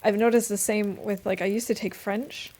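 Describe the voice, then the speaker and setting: A woman's voice: mid-range voice, fairly even intonation, normal speed, darkish tone, a little hiss or hum. A woman streaming a game, chatting casually and thinking aloud with frequent fillers. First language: English. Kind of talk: casual gaming stream chat.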